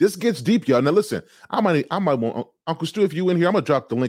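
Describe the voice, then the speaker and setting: A man's very fast speech with very wide pitch swings and vocal fry, on a very clean recording with a silent background. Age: 30s. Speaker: livestream host and content creator. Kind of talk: casual live-stream discussion. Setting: live video stream. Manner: animated.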